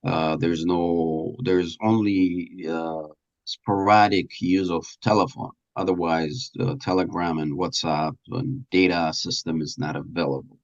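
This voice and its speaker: A man being interviewed as a radio presenter, explaining things haltingly as he searches for words, on a dull lo-fi recording. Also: deep voice, steady tone. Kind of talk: interview answers, explanatory talk.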